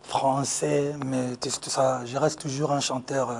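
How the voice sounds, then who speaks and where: A man's voice: mid-range voice, little pitch movement, unhurried, gravelly. A man speaks as a studio guest on a TV set, casual and hesitant. He often stumbles over repeated words before finishing a thought.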